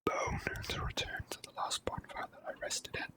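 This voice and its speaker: A person whispering slow, gentle ASMR commentary while playing a video game. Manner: hushed, gentle, slow and unhurried. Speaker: video game player and host.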